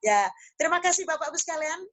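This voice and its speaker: A woman's voice: very high voice, animated, very fast, a bit bright. A woman giving an online class lecture to teachers, chatty and emphatic, speaking into a phone. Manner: chatty, emphatic, tags phrases with "loh ya". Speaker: guest lecturer.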